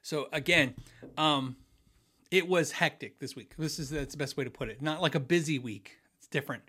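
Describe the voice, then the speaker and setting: This middle-aged man's voice is a little high, pushed, bright and husky, at a normal speed. He rambles through viewer messages on a casual livestream from his home office, restarting often and using many fillers.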